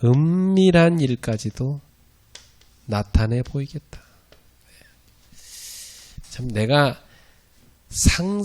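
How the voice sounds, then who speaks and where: A middle-aged male pastor preaching a sermon in a lively, conversational way, laughing often and breaking into loud shouted prayers. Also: medium pitch.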